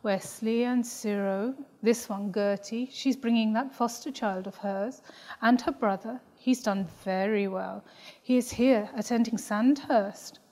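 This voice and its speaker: A woman voicing a stern middle-aged immigrant mother who gives slow, emphatic orders. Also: fairly high pitch, fairly even intonation, a little mellow, close to an everyday voice. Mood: gossipy.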